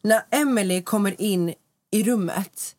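A woman co-hosting a casual chat who retells scenes excitedly and keeps saying "girl" in English. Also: mid-range voice.

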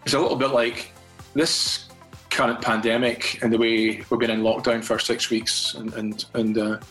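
A man's voice: medium pitch, flat delivery, moderate pace, a bit bright, soft background music, rough recording. An older Scottish man, a guest from a fathers' charity, chatting in a radio interview and often repeating words as he restarts his thoughts.

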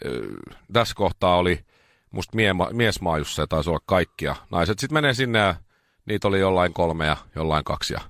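A man's voice: no room sound, studio quality. A man hosting a radio show, telling stories in casual chat. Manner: animated storytelling, jumps into high voices when quoting.

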